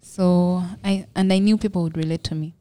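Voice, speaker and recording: A woman's voice: on the low side, steady tone, brisk, warm tone, no room sound, clean studio sound. A young Ugandan woman with a Ugandan accent, speaking modestly and reflectively as a podcast guest. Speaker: guest, makeup entrepreneur. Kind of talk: casual podcast interview.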